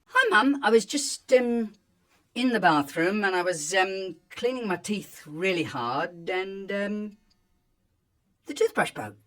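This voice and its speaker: A man playing a sheepish young boy in a comic story, explaining himself in a hesitant, halting way. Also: high voice, very animated, a bit bright, pitched above the performer's own voice, exaggerated voice. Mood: sheepish, guilty.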